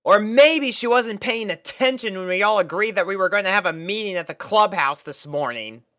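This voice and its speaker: A woman's voice: mid-range voice, lively intonation, moderate pace, fairly bright tone, voice pushed up, lightly acted. A woman voicing a brash, impatient tomboy filly, a child with a blunt, pushy way of talking. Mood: annoyed.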